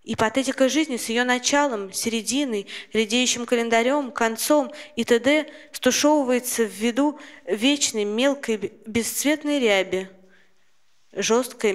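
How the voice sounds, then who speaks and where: A young woman reading a poem aloud slowly and evenly into a handheld mic in a small lecture room. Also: mid-range voice. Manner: slow, measured recitation. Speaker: audience member reading a poem. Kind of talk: poetry reading. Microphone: handheld microphone.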